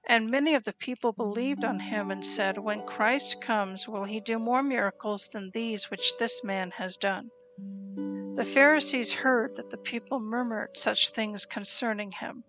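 A woman giving a slow, solemn reading of scripture, with deliberate pauses between phrases. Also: a little high, low-quality recording. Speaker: scripture reader. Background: soft instrumental music.

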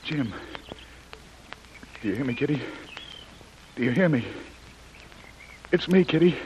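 An actor playing a rugged male jungle adventurer, steady and reassuring, in 1930s radio drama style. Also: medium pitch, measured pace, highs cut off, noisy background, natural voice. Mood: soothing. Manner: steady, reassuring, talking to himself.

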